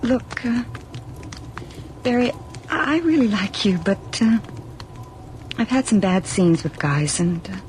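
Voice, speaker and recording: A woman's voice: mid-range voice, lively intonation, takes it slowly, long pauses, a little mellow. An actress playing an uneasy, kind young woman in a radio drama, with a hesitant manner. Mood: hesitant, soft. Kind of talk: naturalistic radio drama acting. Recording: noisy old radio drama recording.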